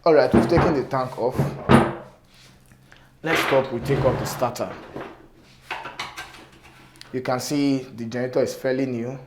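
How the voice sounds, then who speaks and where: A man instructor with a cracked, sore-throated voice, giving an informal hands-on repair tutorial in a halting, repetitive way. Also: medium pitch, steady tone. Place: indoor workshop table. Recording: noticeable background noise, clicks.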